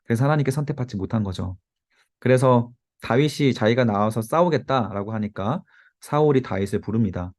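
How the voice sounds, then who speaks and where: A man's voice: medium pitch, animated, fairly quick, darkish tone. A man teaching a Bible study to a youth group, explaining and exhorting while giving note-taking cues.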